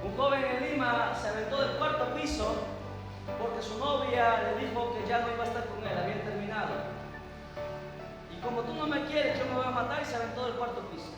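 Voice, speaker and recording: A man's voice: very high-pitched, a little fast. A man preaching a dramatic sermon, telling stories and asking his listeners rhetorical questions. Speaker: evangelist preacher. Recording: very echoey hall with music behind.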